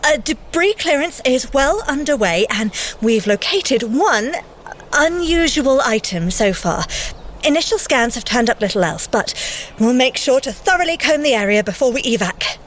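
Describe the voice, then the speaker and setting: A prim, earnest British field scientist in an audio drama. Her voice is fairly high and easily flustered. There is long reverb and faint noise around her. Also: expressive, moderate pace. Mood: nervous, formal.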